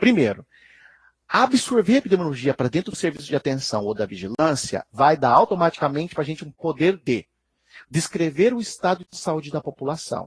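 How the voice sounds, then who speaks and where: On a very clean recording with a silent background and a dry, close sound with no echo, a man with a fairly high pitch and vocal fry talks at a fairly quick pace, his pitch swinging very widely. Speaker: health surveillance manager. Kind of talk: lecture. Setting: web conference.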